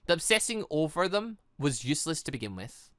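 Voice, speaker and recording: A man's voice: a little high, big pitch swings, a little fast, a bit bright, no room sound. A man voicing a smug, condescending male villain in a visual novel game, with a pompous, lecturing delivery.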